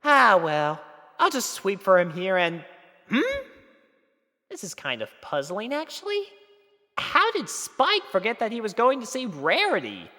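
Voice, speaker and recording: A woman voicing a kindly, thoughtful female pony with a calm, pondering manner in a storybook reading. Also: mid-range voice, a little slow, in a large hall, voice pushed up, full character voice. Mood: puzzled.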